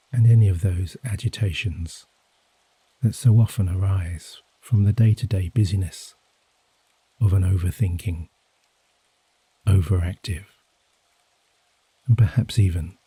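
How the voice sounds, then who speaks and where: A soft-spoken man guiding a sleep hypnosis session in a hushed, soothing, measured way with gently drawn-out phrases. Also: sits low, breathy edge, dry recording. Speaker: hypnosis and meditation guide. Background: gentle rain sounds.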